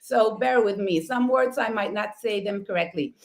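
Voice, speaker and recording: A woman's voice: mid-range voice, normal speed. A middle-aged woman from Mexico with a Mexican accent, a native Spanish speaker, telling personal stories emphatically and effusively as a talk show host.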